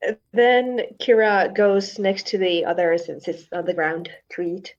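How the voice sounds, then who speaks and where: A woman's voice: mid-range voice, highs cut off. A woman describing her character's actions, hesitant with fillers. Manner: slow, hesitant. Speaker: player. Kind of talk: casual game chat.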